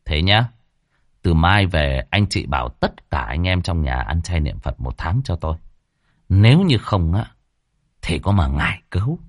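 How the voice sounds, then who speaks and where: A man's voice: sits low, big pitch swings, measured pace, dry recording, clean studio sound, pitched below the performer's own voice, heavily acted. A man voicing a stern young male exorcist who scolds and gives orders.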